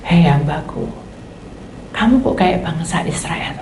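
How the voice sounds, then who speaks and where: A woman pastor voicing God as a calm, stern presence who quietly rebukes. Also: lowish voice, takes it slowly, a little hiss or hum, pitched below the performer's own voice. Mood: reproachful. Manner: quiet, questioning reproach. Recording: echoey hall with faint ambience.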